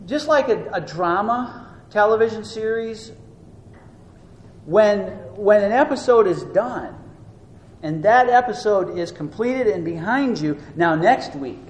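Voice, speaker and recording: A man preaching a sermon. He teaches earnestly, rising and slowing down for emphasis. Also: high-pitched. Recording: echoey room with faint noise.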